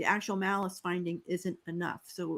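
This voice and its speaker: A woman with a New York accent speaks at a fairly low pitch in a monotone, flat intonation. The recording is very clean, with a silent background. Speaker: online commentator, self-styled internet journalist. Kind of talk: livestream commentary with co-host. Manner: fast.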